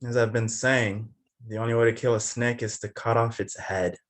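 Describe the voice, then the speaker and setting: A man's voice: medium pitch, level tone, normal speed, lightly acted. A man playing a crude, sardonic company henchman with a blunt, needling manner, in a drama table read.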